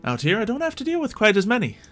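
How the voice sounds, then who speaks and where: A man's voice: sits high, huge pitch swings, racing, fairly bright tone, soft background music, pitched above the performer's own voice, exaggerated voice. A man voicing a blunt, reclusive woman witch in a tabletop game, terse and dismissive. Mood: dry disdain.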